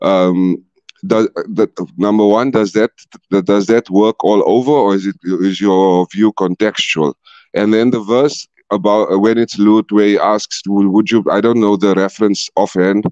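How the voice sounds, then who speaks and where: A man with an Afrikaans accent speaks fairly slowly at a fairly low pitch, his intonation fairly even and his loudness very even, recorded in a dry, close sound with no echo. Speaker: caller. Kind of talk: live discussion. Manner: halting.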